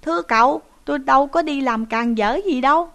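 A captured male traveler pleads his innocence in an urgent, raised voice, as a woman narrator puts him on. He sounds a little higher than a man would, as in a read-aloud storybook of an old tale. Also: animated, normal speed, close to an everyday voice. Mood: pleading.

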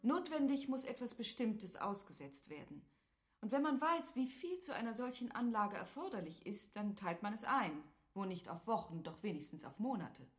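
A woman's voice: on the high side, big pitch swings, moderate pace. An actress playing a practical, composed aristocratic lady in a literary radio drama, speaking formally and firmly. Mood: firm, self-assured.

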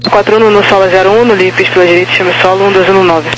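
Male Brazilian tower controller, very quick and monotone, procedural phrases through noisy two-way radio. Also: high-pitched. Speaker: tower air traffic controller.

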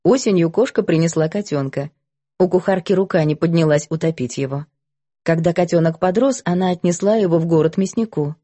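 A woman narrating a mystery novel audiobook in an even, measured storytelling manner. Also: on the low side, no room sound. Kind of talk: scripted narration.

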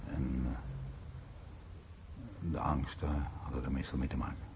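In a dull, noisy radio drama recording, a troubled former airman with a very deep voice. He answers questions haltingly and quietly, with a subdued, formal manner. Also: level tone. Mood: hesitant, troubled. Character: troubled American air force veteran being questioned.

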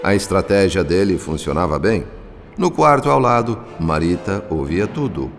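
A man's voice: low-pitched, big pitch swings, normal speed. A man with a Brazilian accent delivering solemn, formal scripted narration for a radio drama. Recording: long hall reverb, music behind.

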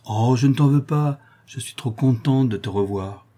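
A man reads an audiobook aloud, voicing a cheerful young Parisian seamstress who is lively, affectionate and talkative in a chatty mood. His voice is mid-range, moderately paced and close to how he'd normally speak.

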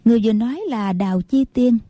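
A woman reads a martial-arts novel aloud in a very dark, mellow voice with a faint husky grain. She keeps a steady storytelling pace, and the sound is dry and close. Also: on the high side, fast talker, no room sound. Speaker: narrator.

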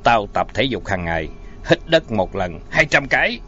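A man voicing a big, furious male priest who growls slow, measured threats. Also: lowish voice, sing-song, sharp tone. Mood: menacing. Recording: dull lo-fi audio, faint music.

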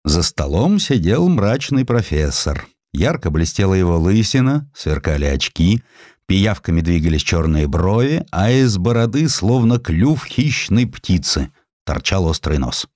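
Deep-voiced, animated male storyteller. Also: unhurried, dry recording, studio quality. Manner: expressive, theatrical storytelling. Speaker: audiobook narrator. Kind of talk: dramatised literary narration of a historical tale.

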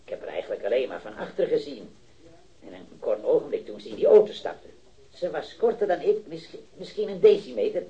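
A man in his thirties, lightly acted, plays a stammering eyewitness to a robbery in 1970s radio drama style. The role is an eager, hesitant metal worker in his early thirties, and his fairly high, dark, expressive voice halts and repeats words, unsure and rambling.

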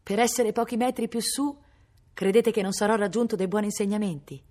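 A woman's voice: medium pitch, fairly even intonation, a little fast, mellow, voice pushed up, natural voice. A woman reading aloud, voicing a rebellious noble boy who answers his father firmly and defiantly. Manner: firm, defiant, cheeky.

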